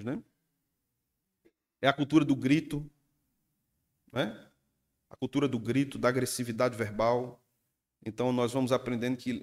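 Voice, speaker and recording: Animated pastor. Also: male voice, medium pitch. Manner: animated storytelling, acts out congregants. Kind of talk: sermon.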